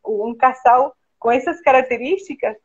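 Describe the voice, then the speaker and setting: A woman with an Argentine Spanish accent, a guest architect speaking slowly and hesitantly with many fillers in a casual conversation. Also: high voice, highs cut off. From Argentina (Buenos Aires), born in Brazil. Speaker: guest, architect and interior designer.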